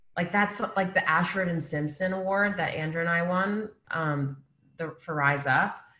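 Someone with a New Jersey accent speaks in a bright, sharp tone with ordinary pitch variation. Audible room echo sits over a quiet background. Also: woman. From New Jersey, US. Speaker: songwriter and producer; guest. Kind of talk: casual interview. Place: home room. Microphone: video call.

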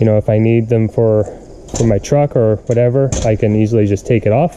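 The speech moves at a moderate pace, with light background noise behind it. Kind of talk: casual vlog chat. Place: garden. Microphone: phone near.

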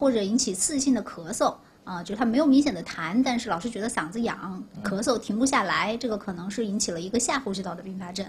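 A woman's fairly high voice at a very fast pace, full of lively intonation and big swings in loudness. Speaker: doctor. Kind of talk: interview. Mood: calm, explanatory. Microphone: handheld.

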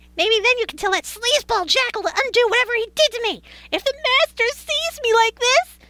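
A squeaky, put-on character voice, female-sounding and extremely high-pitched, goes at a fairly quick pace. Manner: petulant, bratty, self-pitying.

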